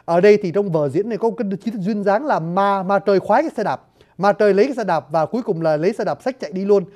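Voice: mid-range voice, fast, a little mellow. A storyteller explaining a stage play to listeners in a chatty, joking way, often addressing them directly. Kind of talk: lively spoken commentary to listeners.

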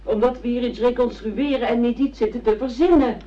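A woman's voice: on the high side, fairly even intonation, a little fast, dark tone, close to an everyday voice. A woman playing a cheeky, coaxing daughter in a naturalistic radio drama. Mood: coaxing, matter-of-fact. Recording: dull radio-play recording.

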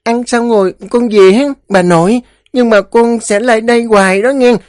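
A man's voice: extremely high pitch, fairly even intonation, moderate pace, a little mellow, no room sound, studio quality, pitched above the performer's own voice. A man voicing a cheerful, chatty five-year-old boy, eager and sweet-talking. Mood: excited.

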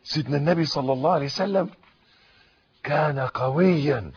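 An Egyptian man preaching a sermon, moving from hushed pleading to fervent shouting. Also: fairly high pitch, fairly quick, gravelly, slight background noise. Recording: dull lo-fi recording.

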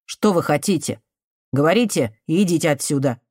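A woman reading an audiobook voices a desperate young man who answers with bitter sarcasm and often breaks into shouting. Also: low voice, expressive, brisk, no room sound, studio quality. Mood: sullen.

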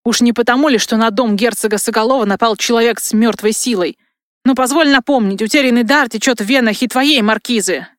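A woman's voice: on the high side, a little fast, no room sound, lightly acted. A woman voicing a proud, hot-tempered young male crown prince, given to roaring outbursts, in a dry close recording. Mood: wary. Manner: bewildered turning to roaring anger.

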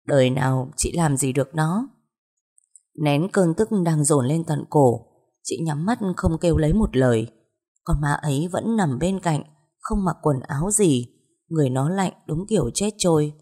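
Horror storyteller: a woman with a low, warm voice, reading in an even, suspenseful way. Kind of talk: scripted narration of a ghost story.

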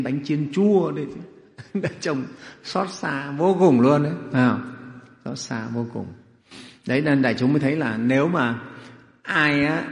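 A man, a Buddhist monk, telling a story in a sermon with lively rhetorical questions. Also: medium pitch. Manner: animated, rhetorical questions, chuckling. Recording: echoey hall.

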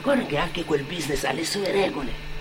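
An actor playing a defiant young immigrant drug dealer in a colloquial theatrical monologue, swearing and throwing out pointed questions. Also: male voice, fairly high pitch, a little fast, background noise, natural voice. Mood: defiant, matter-of-fact. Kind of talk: theatrical first-person monologue.

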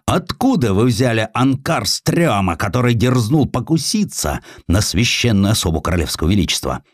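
Guy doing an angry bigwig boss in a history audiobook, roaring, haughty, menacing, very animated. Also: deep voice, dry recording, studio quality. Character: wrathful, bullying high-ranking male dignitary, censorship chairman.

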